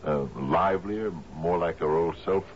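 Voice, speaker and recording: An actor playing a grave, grieving older sea captain in a radio drama, halting and ruminative, with a gravelly voice. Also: male voice, low voice, close to an everyday voice. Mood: mournful. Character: grave, distracted old sea captain in mourning. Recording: muffled, noisy old radio broadcast recording.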